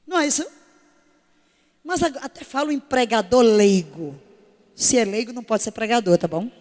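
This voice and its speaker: A woman's voice: a little high, expressive, moderate pace, a little mellow. Emphatic woman preaching in a church hall. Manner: emphatic, with many rhetorical questions. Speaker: apostle preaching to her congregation. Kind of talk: sermon. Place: church service.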